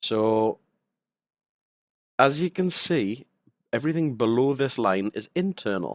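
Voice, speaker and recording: A man with a northern English accent, dry, close sound with no echo, on a very clean recording with a silent background. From northern England. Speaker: gaming tutorial creator. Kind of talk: tutorial. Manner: casual.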